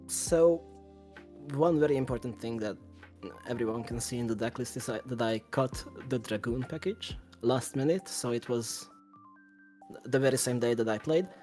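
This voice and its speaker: A young-sounding man who is a native Hungarian speaker talks in English with a soft, hesitant delivery, often restarting his sentences. He answers interview questions over a call while faint music plays underneath. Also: mid-range voice, normal speed. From Slovakia. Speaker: guest, tournament champion.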